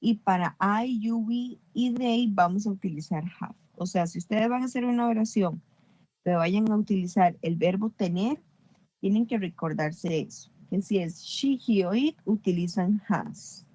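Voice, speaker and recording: A woman's voice: mid-range voice, moderate pace, warm tone, no room sound. A woman teaching an English grammar class online, explaining patiently and often checking understanding.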